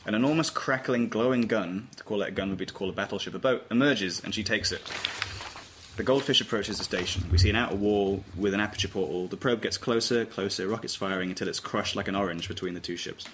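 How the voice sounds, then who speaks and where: A man's voice: fairly low pitch, fast, fairly bright tone. A man narrating scripted stage directions aloud at an informal table read. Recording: noisy amateur room recording, clicks.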